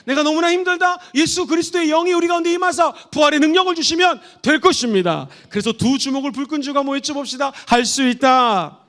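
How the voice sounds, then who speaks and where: A male pastor delivering a fervent Easter sermon in a church, building up to shouted exhortations. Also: very high-pitched. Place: church sanctuary.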